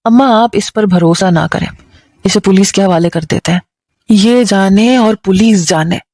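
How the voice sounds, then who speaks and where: A woman's voice: mid-range voice, normal speed, darkish tone, no room sound, studio quality, close to an everyday voice. A woman voicing a stern, suspicious young man who snaps curt retorts. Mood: irritated.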